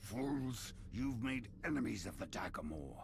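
Putting on a croaky character voice at medium pitch, a man talks at a moderate pace over clear background noise. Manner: menacing, defiant.

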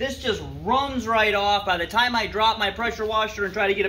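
Light background noise sits behind a man talking at a fairly quick pace. His pitch is high, with ordinary pitch variation. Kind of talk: casual vlog chat. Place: street. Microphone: camera far.

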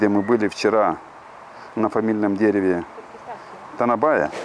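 A man with a fairly low pitch speaks with ordinary pitch variation. The sound is dry with no echo, over light background noise. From Moldova. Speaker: walnut farmer and orchard expert. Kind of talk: on-site instructional demonstration. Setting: outdoors in a garden plot. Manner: informal, explanatory. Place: garden. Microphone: phone near.

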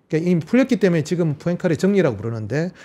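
The voice has a dark, mellow tone. Its pitch swings very widely. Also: man. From South Korea. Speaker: science historian and research institute head; guest. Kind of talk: educational talk show explanation. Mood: engaged, friendly explaining. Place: studio. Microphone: studio mic.

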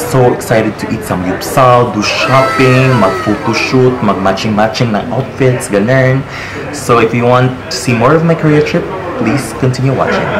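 Over clear music in the background, the speaker talks at a moderate pace with ordinary pitch variation. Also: man. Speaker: travel vlogger. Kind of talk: casual vlog chat. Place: hall. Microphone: phone near.

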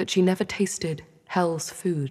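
A woman with a medium pitch sounds somewhat breathy as she speaks at a moderate pace against a quiet background. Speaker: actor. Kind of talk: dramatic narration of myth. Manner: emotional, expressive. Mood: emotional, grave storytelling. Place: studio.

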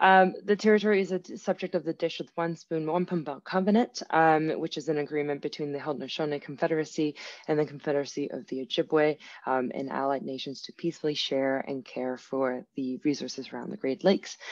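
A woman with a very deep, low pitch speaks at a fairly quick pace with ordinary pitch variation, the background quiet. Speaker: workshop facilitator. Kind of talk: workshop presentation. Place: home room. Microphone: video call.

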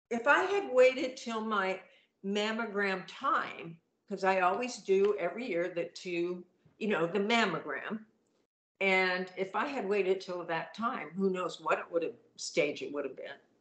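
Audible room echo is present in this clip. A woman's voice moves at a moderate speed, with ordinary pitch variation. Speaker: panel guest. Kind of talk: casual chat. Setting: video call. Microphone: video call.

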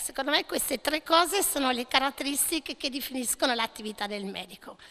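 A woman speaks in a raised, projected voice. Her pitch is high. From central Italy (Marche). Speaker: doctor and event moderator. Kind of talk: conference moderation. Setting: stage with audience. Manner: halting. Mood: earnest, engaged. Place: church. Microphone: podium.

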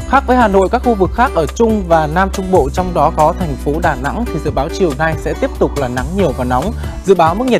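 Clear music plays behind a man as he speaks. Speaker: presenter. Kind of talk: broadcast weather forecast. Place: studio.

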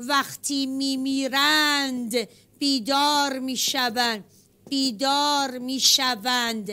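A woman uses a raised, projected voice with a bright, sharp tone and high pitch. She speaks at a very slow pace. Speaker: teacher. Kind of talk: lecture. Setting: online class video call. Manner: animated, encouraging.

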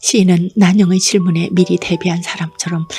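Backed by music, a woman speaks in a gentle tone at a fairly low pitch and a moderate pace. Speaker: poet and essayist. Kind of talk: audiobook novel reading. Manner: soft, gentle.

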